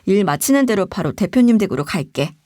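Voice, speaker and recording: A woman's voice: medium pitch, big pitch swings, brisk, mellow, no echo, clean studio sound, close to an everyday voice. A woman reading the lines of an easygoing husband in a storytelling narration. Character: casual cheerful husband, office worker.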